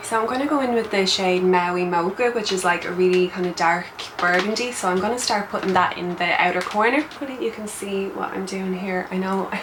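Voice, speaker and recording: Fairly quick speech with hardly any pauses and ordinary pitch variation comes through audible room echo and noticeable background noise. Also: woman, medium pitch for a woman. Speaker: beauty YouTuber. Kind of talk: makeup tutorial. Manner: casual, filler-heavy.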